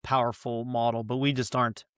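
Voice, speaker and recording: A man speaking as a podcast guest, enthusiastically giving advice and quickly agreeing with the others. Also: mid-range voice, flat delivery, smooth, no room sound, studio quality. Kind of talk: casual podcast chat.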